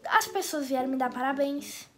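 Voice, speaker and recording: A young Brazilian woman tells a comic story on her vlog, with a dramatic, animated delivery. Her voice sits high, and faint music plays softly behind her. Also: normal speed. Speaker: YouTuber.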